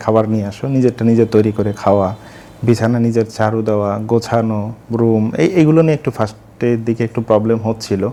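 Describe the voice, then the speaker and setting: His intonation is fairly even. The speaker is a man with a medium pitch. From Bangladesh, Dhamrai (Dhaka). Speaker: corporate executive. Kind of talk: interview. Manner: halting, many fillers.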